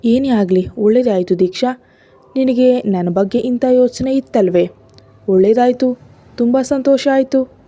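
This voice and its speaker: A woman's voice: fairly high pitch, moderate pace, mellow, voice pushed up, natural voice. A woman voicing a hot-tempered, domineering husband who scolds harshly and sarcastically. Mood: sarcastic.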